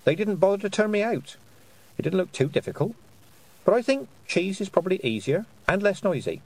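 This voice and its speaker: A man voicing a sharp, earnest young farm girl who talks things through out loud. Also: high voice, sing-song, brisk, dry recording, pitched above the performer's own voice, full character voice, poor audio. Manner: earnest, reasoning aloud.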